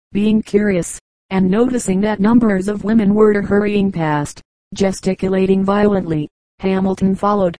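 Mellow woman reading an audiobook. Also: medium pitch, dry recording, rough recording. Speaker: audiobook reader. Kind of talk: scripted narration.

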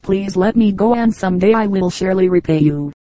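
A woman voicing a timid little female mouse in a storybook reading, speaking gently and pleadingly. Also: mid-range voice, fairly quick, dry recording, lightly acted.

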